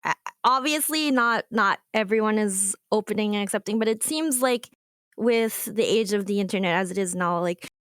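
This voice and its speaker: A woman's voice: medium pitch, normal speed, a bit bright, clean tone, no room sound, studio quality. A woman guest on an interview show, talking in an easygoing, agreeable way and laughing often. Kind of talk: casual interview chat.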